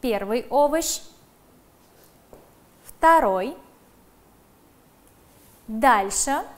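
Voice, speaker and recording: A woman teaching a televised primary school lesson, addressing the children directly and dictating words slowly and emphatically. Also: fairly high pitch, animated.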